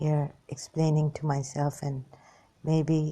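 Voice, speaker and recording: This woman's pitch is very deep and low, her tone dark and mellow, and her voice somewhat breathy. She speaks at a very slow pace with monotone, flat intonation. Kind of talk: casual monologue. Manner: halting.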